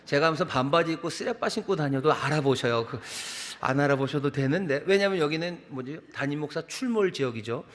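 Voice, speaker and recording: Pastor preaching in a reverberant hall. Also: male voice, fairly high pitch, fairly quick, few pauses. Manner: conversational preaching with rhetorical questions; repetitive, rhythmic phrasing. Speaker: senior pastor. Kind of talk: sermon. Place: large church sanctuary. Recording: long reverb of a large hall.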